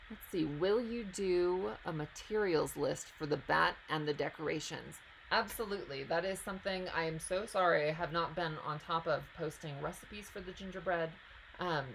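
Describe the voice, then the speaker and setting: A woman's voice: low voice, moderate pace, gravelly, slight background noise, rough recording. A woman hosting a live stream, reading out viewer questions and answering them in a chatty, casual way.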